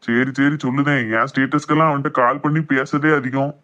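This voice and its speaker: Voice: medium pitch, level tone, fast, a bit bright, dull audio, natural voice. A performer voicing a blunt, grumbling middle-aged village father who speaks.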